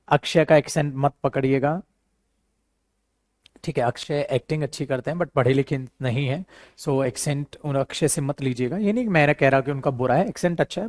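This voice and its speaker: A man's voice: mid-range voice, no echo, studio quality. Chatty man teaching spoken English. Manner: addresses students as beta, repeats himself, chatty and animated. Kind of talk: live online class, casual teaching.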